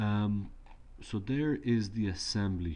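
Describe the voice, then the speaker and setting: There is audible echo from the room. The man's voice is fairly low, with a dark, mellow tone. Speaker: college instructor. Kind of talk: tutorial. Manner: fast; halting, many fillers.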